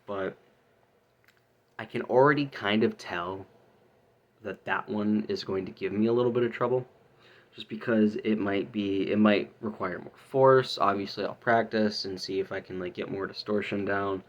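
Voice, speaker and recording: A man talking casually in a practice diary, explaining things in a halting, rambling way. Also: on the low side, fairly even intonation, dull audio. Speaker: student vlogger learning harsh vocal technique.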